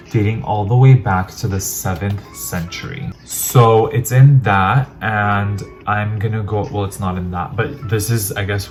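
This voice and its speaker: A man with a fairly low voice talks through an unboxing in loose, rambling chat. He pokes fun at himself as he goes. Faint music plays under him. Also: darkish tone. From Armenian heritage. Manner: chatty, rambling, self-deprecating. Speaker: vlogger.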